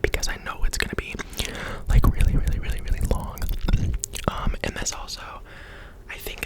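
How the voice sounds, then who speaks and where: An eighteen-year-old man whispering a casual ASMR question-and-answer session from his bedroom, rambling with lots of "um" and "like". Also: poor audio. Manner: rambling, chatty, full of "um" and "like". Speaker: ASMR creator.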